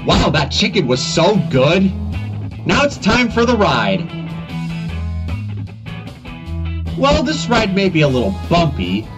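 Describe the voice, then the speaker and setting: A man voicing a whiny, defiant, excitable schoolboy in an amateur comedy animation, on a cheap webcam mic. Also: high-pitched, a little slow, music in the background, full character voice. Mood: gleeful.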